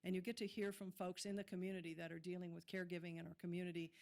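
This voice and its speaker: A woman's voice: fairly low pitch, little pitch movement, racing, gravelly, a little mellow. A woman chairing a senior advisory committee giving a friendly, slightly hesitant public comment to a city council.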